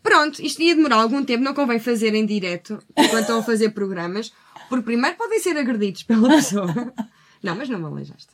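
Podcast co-host, female, European Portuguese accent, somewhat high pitch, loose informal talk full of slang. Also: expressive, quick pace, a little hiss or hum. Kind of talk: casual chat.

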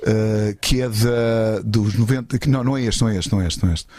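Slangy man, husky voice, dry recording. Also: lowish voice, fast talker, dry recording. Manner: slangy, animated storyteller who acts out dialogue. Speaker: guest, voice actor. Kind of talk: casual chat, anecdotes.

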